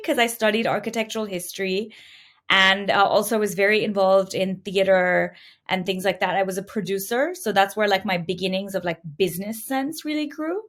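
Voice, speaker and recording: A woman's voice: medium pitch, a bit bright. Woman from India telling her story. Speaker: podcast guest, entrepreneur. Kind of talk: conversational interview answers, telling own story.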